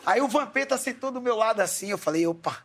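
A man telling lively anecdotes in casual chat as a guest, acting out the lines of the people in his stories. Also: high-pitched, fast, very noisy. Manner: animated anecdotes, acts out quoted lines. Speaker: guest, former footballer.

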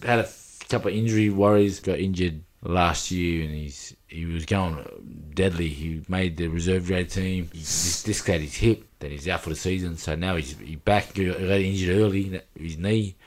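A middle-aged interview guest with an Aboriginal Australian accent chats casually in a low, steady voice at a normal speed, barely pausing. His talk is loose and slangy, full of "bro" and "you know," and he often repeats himself.

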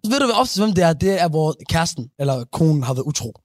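A man's voice: a little high, sing-song, dry recording, clean studio sound. A young man in casual podcast chat, bantering in a laid-back, slangy way and mixing in English phrases.

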